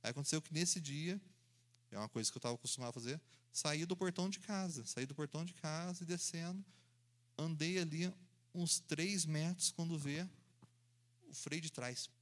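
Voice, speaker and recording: A man, preaching in an animated storytelling style, acting out voices and sounds and laughing along as he goes. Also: a little high, moderate pace. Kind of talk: storytelling sermon.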